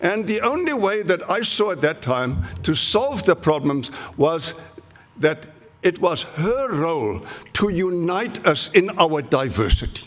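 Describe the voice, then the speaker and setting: Over noticeable background noise, a man talks at a fairly slow pace in a high pitch with very wide pitch swings. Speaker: opposition politician. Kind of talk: parliamentary speech. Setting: legislature chamber. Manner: halting.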